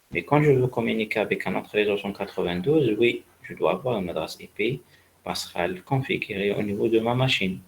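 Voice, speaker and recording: A man lecturing on a technical subject in a halting, didactic way, repeating key points for emphasis. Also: fairly low pitch, gravelly, slight background noise, rough recording. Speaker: networking lecturer. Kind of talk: spoken university lecture.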